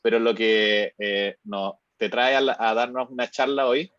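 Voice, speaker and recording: A man's voice: medium pitch, little pitch movement, a little slow, fairly bright tone, no room sound. A man hosting an online seminar, introducing a guest hesitantly with many fillers. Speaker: host. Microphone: video call. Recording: dry, muffled video call audio.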